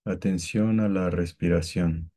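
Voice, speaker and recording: A man guiding a meditation with calm, gentle, scripted instructions and long pauses between phrases. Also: low voice. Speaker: meditation guide.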